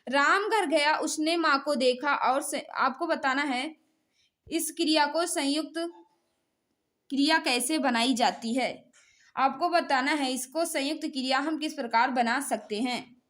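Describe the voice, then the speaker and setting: Female Indian teacher, high-pitched, for exam quiz lesson; instructional delivery that keeps prompting students to answer. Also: unhurried, a bit bright. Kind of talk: live exam quiz lesson, reading questions and giving answers.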